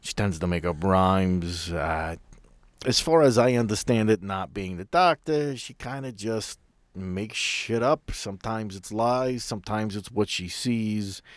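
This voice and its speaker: A man voicing a gruff, wary sanatorium guard who talks in a folksy, grudging way in a tabletop game. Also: fairly low pitch, unhurried, no echo, natural voice. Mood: explaining. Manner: folksy, colloquial, grumbling.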